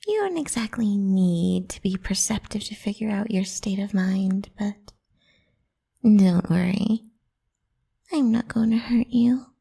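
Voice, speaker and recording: A woman's voice: medium pitch, expressive, unhurried, heavily acted. Woman playing a whispery, possessive lamia girl. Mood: coaxing, protective. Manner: coaxing, teasing, soft and breathy. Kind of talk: whispered ASMR roleplay.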